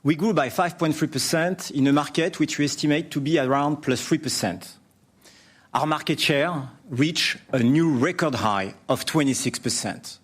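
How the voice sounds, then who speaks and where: A man delivering a formal, prepared business presentation as a company executive, in measured scripted phrases. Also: a little high, breathy edge. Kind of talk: prepared earnings presentation speech.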